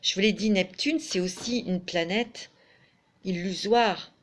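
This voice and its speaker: Woman doing a chatty card reading, medium pitch, fond little asides, faint hiss in the back. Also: unhurried. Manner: chatty, fond, peppered with "hein", reads card texts aloud. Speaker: tarot and oracle card reader. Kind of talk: casual spoken card reading.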